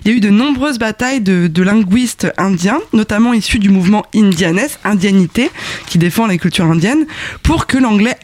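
A man with a high voice hosts an explainer, playful and wry, often breaking into laughs. The sound is close and dry, with no room around it. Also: lively intonation, normal speed, no room sound. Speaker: host. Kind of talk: explainer video narration.

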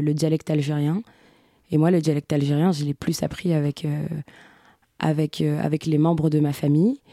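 A young woman from Algeria answering interview questions in a hesitant way, with many pauses and restarts. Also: low voice, warm tone, no room sound, studio quality. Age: young adult. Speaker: guest.

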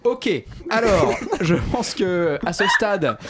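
Man, film show host, dry jokes, slightly high voice, audible noise behind. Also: animated, slow. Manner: joking, dry asides. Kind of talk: casual chat.

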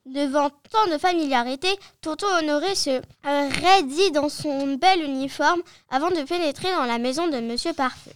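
Woman reading a children's story, high voice. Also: normal speed, few pauses, dry recording, studio quality. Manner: lively, expressive storybook reading.

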